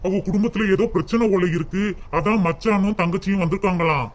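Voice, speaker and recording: A man's voice: sits high, fast, natural voice. A man voicing a coaxing, dutiful grown son. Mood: soothing. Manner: soothing, repeated coaxing. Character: dutiful grown son and husband, soothing but quick to anger. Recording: clear hiss under the voice.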